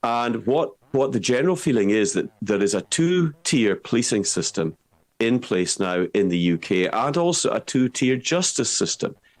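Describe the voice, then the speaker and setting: In a very clean recording with a silent background, a man speaks in a Scottish accent. His voice sits at a medium pitch and swings very widely up and down. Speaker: political commentator. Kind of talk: interview. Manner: halting, repeats words.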